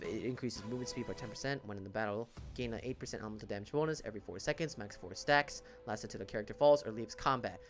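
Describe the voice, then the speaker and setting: A man with an average-pitched voice talks through game details as a video creator. His delivery is casual and conversational, explaining things in an informal way. Music plays behind his voice. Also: fairly bright tone. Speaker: gaming video creator reviewing game banners. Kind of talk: casual gaming commentary.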